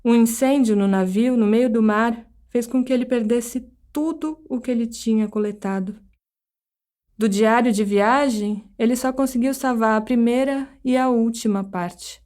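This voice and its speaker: A woman with a Brazilian Portuguese accent, hosting a podcast in measured, scripted storytelling narration. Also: on the high side, dark tone. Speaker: podcast host.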